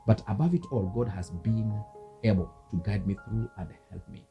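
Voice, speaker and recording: A man's voice: fairly low pitch, moderate pace, creaky, lo-fi sound, soft background music. A Kenyan man speaking as an interview guest, an earnest, devout Christian minister giving personal testimony in conversation.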